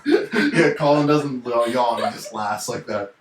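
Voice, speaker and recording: A man joining a casual podcast chat with quick wisecracks. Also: medium pitch, roomy sound, recorded from a distance, heavy background noise. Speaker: podcast guest.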